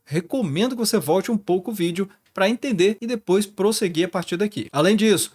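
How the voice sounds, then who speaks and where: A Brazilian man hosting a finance channel, explaining stock market analysis and walking the viewer through charts and figures. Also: high voice. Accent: Brazilian Portuguese.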